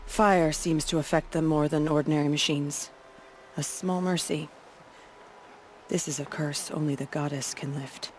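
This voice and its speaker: A woman acting as a seasoned tribal warrior leader in a video game, speaking in a frank, grave, measured way. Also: low voice, steady tone, close to an everyday voice. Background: faint ambient noise.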